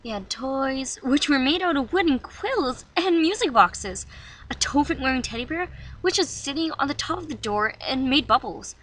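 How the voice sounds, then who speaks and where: A woman playing a sweet young girl reminiscing fondly in gentle, wistful storytelling for an audition. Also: high voice, animated, moderate pace, far from the mic, rough recording.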